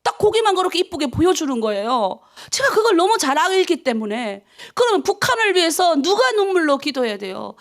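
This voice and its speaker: High gravelly woman pastor preaching. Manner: impassioned, exhorting, rhetorical questions. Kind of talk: early-morning prayer sermon.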